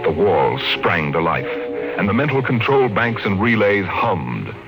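An American man giving measured, dramatic scripted narration as announcer of a 1950s radio drama. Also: deep voice, sing-song, rough recording. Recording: vintage 1950s radio broadcast with music.

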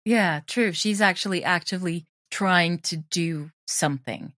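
A woman with a slightly low voice talks reflectively, as a creator being interviewed. She explains things in a loose, conversational way, softening her points as she goes. The sound is close and dry. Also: unhurried, no room sound.

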